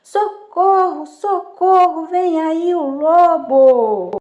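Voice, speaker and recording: A woman voicing a young shepherd boy who shouts desperately for help in a children's story. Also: very high-pitched, drawn-out words, echoey room, highs cut off, voice pushed up, full character voice. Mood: shouting for help.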